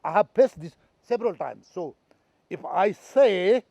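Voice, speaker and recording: A man from Nepal with a Nepali accent gives a history lecture in halting, non-native English, proud and emphatic. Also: sits high, expressive, vocal fry, mellow, no echo. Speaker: speaker on military history. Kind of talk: lecture on history, addressed to listeners.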